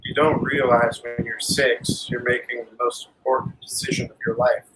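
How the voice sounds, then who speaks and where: A man's voice: medium pitch, level tone, moderate pace, a bit bright, lightly acted. A man playing an earnest husband of an imaginary friend, speaking in a mockumentary interview. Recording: noisy background.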